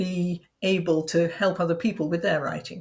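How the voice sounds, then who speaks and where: Speaking with a British accent, a woman uses a medium pitch and a somewhat breathy voice. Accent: British accent despite forty years in US. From England. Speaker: writer. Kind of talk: interview.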